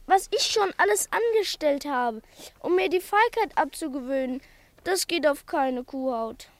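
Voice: high voice, expressive, a little slow, no echo. A performer playing a small, timid schoolboy who blames himself, speaking earnestly and confidingly in a children's radio play. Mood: ashamed, earnest.

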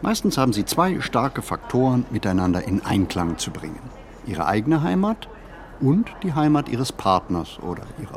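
A man playing a pensive city wanderer in a radio play, narrating a literary monologue with deliberate, measured phrasing and pauses. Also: fairly low pitch, darkish tone, a little hiss or hum. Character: pensive male city wanderer musing on modern life. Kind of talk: scripted literary monologue, reflective first-person narration.

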